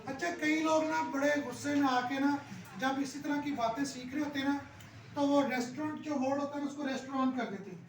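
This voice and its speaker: A woman lecturing a workshop on pronunciation, repeating words slowly and often checking that her listeners follow. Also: sits high. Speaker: pronunciation trainer. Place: classroom or workshop hall. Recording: echoey room from far off, audience noise. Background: audience of teachers.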